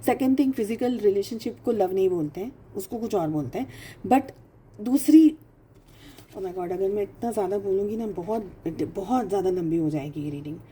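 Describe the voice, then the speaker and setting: A woman gives a casual tarot reading in a mellow, dark-toned voice. She talks emphatically, repeating phrases for stress and dropping English phrases into her speech. A faint hiss sits under the recording. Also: medium pitch, moderate pace. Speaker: tarot reader.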